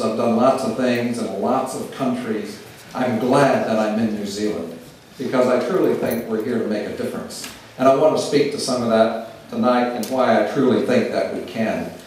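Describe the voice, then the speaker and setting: A man's voice: mid-range voice, darkish tone, slight background noise. US man speaking in a hall. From Oklahoma, USA. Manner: measured, many "uh" fillers. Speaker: government speaker on oil and gas. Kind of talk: public speech. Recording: roomy hall, distant mic.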